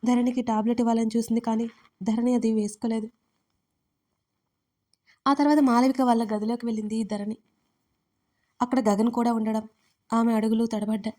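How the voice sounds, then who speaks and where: Flat, mellow woman storyteller. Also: on the high side, moderate pace, pauses often. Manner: steady, even reading. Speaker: storyteller, channel host. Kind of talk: scripted audiobook narration.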